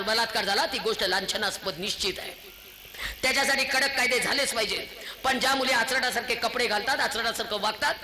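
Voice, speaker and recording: Woman orator, sharp high voice, fiery and scolding, heard in an echoing hall. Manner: scolding, fiery, full of rhetorical questions. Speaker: public speaker. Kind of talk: impassioned speech to an audience. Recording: echoey hall.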